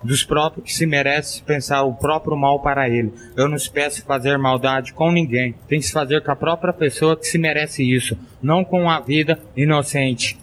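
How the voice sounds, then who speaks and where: A man's voice: fairly even intonation, moderate pace, few pauses, fairly bright tone, natural voice. Man as a rambling indignant folk sorcerer. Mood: defensive. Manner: rambling, muddled rustic phrasing. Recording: faint noise, rumble.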